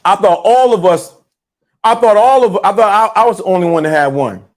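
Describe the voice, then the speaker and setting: A man hosting a live stream, talking loosely and repeating himself in slangy, animated casual commentary. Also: high-pitched, fairly quick.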